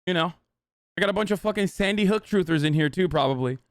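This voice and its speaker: A man's voice: sits high, fast talker, dry recording, studio quality. A male streamer giving heated, profane live reaction commentary. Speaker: streamer host.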